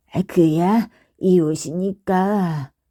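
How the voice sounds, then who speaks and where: Putting on a character voice, a woman speaks at a very slow pace. Her pitch is medium, and her intonation stays fairly even. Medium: read story. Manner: gruff.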